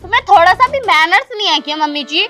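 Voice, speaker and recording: Woman playing a sassy, bright-voiced young daughter-in-law. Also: very high-pitched, expressive, fast talker, soft background music, exaggerated voice. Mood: mocking. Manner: cheeky, dismissive, mixes English words. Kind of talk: rustic comedy skit acting.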